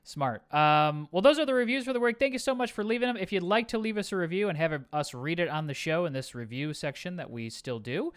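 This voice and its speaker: A man co-hosting a podcast, reading listener reviews in a dry, casual way that trails off softly. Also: a little high, lively intonation, quick pace, few pauses, smooth. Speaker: podcast co-host.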